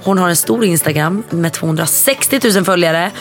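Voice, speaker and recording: A woman co-hosting a podcast, brash and teasing, swearing often in casual chat. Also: lowish voice. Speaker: podcast co-host. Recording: loud music underneath.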